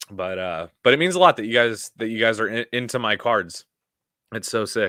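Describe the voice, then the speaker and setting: In a put-on character voice, a man talks at a moderate pace, raspy and medium in pitch. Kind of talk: casual, enthusiastic. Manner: heartfelt, sincere.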